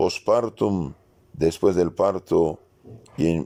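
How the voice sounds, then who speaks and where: A man with a very deep, low voice and a Middle Eastern accent, his pitch varying in an ordinary way. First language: Aramaic (speaking Spanish). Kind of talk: sermon. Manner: halting, with fillers and repetitions.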